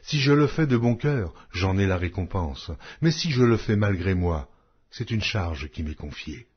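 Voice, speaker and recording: A man reading scripture as a solemn scripted narration, measured and declamatory, with emphatic phrasing. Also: low-pitched, animated, husky, muffled recording. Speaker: narrator of an audio Bible.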